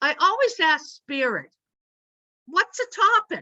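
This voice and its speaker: In a dry, close recording with no echo, a woman uses a raised, projected voice with very wide pitch swings. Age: 60s. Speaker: radio show host and psychic medium. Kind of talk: radio talk show hosting discussion. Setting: Zoom video call broadcast. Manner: casual, with filler words.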